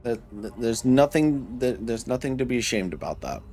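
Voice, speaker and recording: A man's voice: mid-range voice, very animated, moderate pace, mellow, a little hiss or hum. A man in his thirties, a streamer from Michigan, chatting casually with viewers while gaming, rambling and restarting his sentences. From Michigan, United States. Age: 30s. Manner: rambling, restarts often, reads and answers chat.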